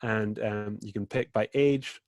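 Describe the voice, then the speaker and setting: A man's voice: on the low side, steady tone, measured pace, a little mellow, dry recording. British man, informal screen-share presenter, lots of "um"s, dry sound. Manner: informal, with frequent fillers. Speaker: data dashboard presenter. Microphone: video call.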